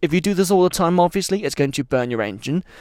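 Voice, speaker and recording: In a very clean recording with a silent background and a dry, close sound with no echo, a man with an unremarkable speaking voice talks at a fairly high pitch. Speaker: podcast host. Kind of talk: casual monologue rant.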